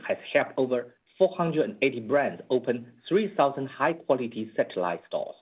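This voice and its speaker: Man on a tinny, husky conference line. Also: mid-range voice. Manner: formal, measured, reading prepared remarks. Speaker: company executive. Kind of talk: prepared corporate presentation on earnings call. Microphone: conference call line. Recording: muffled narrowband conference phone line.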